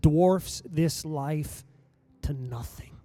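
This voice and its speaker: A man with a high, mellow voice preaches to his congregation in a church sanctuary. He drives his points home with emphatic stresses and long dramatic pauses, while soft music plays faintly behind him. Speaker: pastor. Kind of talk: sermon.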